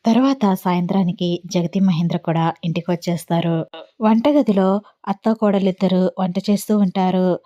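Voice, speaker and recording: Woman storyteller, mellow tone, casual narration, dull home recording. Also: on the low side, fairly even intonation, moderate pace. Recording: dull lo-fi sound.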